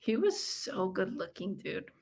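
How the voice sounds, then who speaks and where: With a mid-range voice that's gravelly, husky, and a bit dark, this American woman speaks unhurriedly yet very animatedly. She's hosting a livestream watch-along, chatting informally and effusively with viewers in slang and commentating on the fight.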